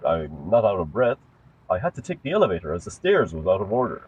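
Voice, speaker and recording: Man voicing smug low-voiced money man, lively delivery. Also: fast talker, breathy edge, highs cut off, exaggerated voice. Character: smug slow-talking man posing as a rich benefactor.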